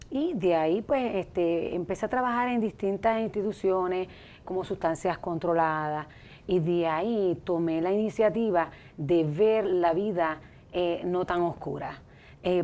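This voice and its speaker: A middle-aged woman from Puerto Rico with a Puerto Rican accent, a life coach speaking haltingly in a studio interview on a lapel mic. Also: lowish voice, mellow. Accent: Puerto Rican Spanish. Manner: hesitant, many fillers and restarts.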